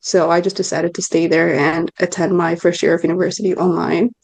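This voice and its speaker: A woman in her twenties, originally from Ethiopia, speaks in a somewhat low voice. She answers an interviewer's questions earnestly, with frequent ums and small restarts. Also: level tone, a little fast, creaky. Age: 20s. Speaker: interview guest. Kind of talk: casual interview talk.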